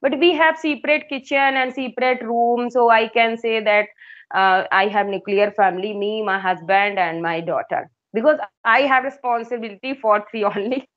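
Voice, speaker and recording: A woman's voice: a little high, moderate pace, narrow, tinny audio. Hindi-speaking Indian woman, hesitant English. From Uttar Pradesh, India. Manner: hesitant, many fillers and restarts. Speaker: English tutor. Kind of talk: casual English conversation practice.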